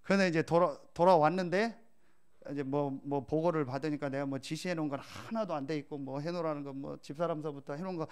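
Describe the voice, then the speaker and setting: Brief: male pastor, high voice, storytelling sermon with loud, emphatic rhetorical questions. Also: fast talker, smooth.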